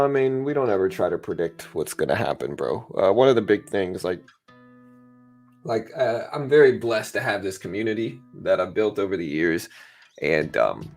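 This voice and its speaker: A man with a raspy voice hosting a live trading stream, talking to chat in a laid-back, slangy way. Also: deep voice. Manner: laid-back, slangy, addressing viewers as bro. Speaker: livestream host, stock trader. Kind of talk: casual live market commentary with chat. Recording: music playing behind the voice. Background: music.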